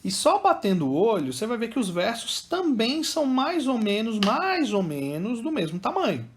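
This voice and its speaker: A man's voice: very high voice, huge pitch swings, moderate pace, slight background noise. A man with a Brazilian accent teaching literature in an exam-prep lecture, chatty and speaking straight to his students. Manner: chatty, addresses students directly, counts syllables aloud.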